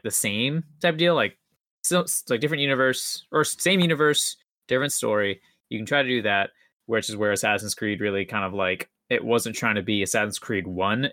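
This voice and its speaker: A man's voice: lowish voice, pushed and bright, no room sound, clean studio sound. A young man podcast co-host chatting casually in an enthusiastic, rambling, slangy way. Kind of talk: casual chat.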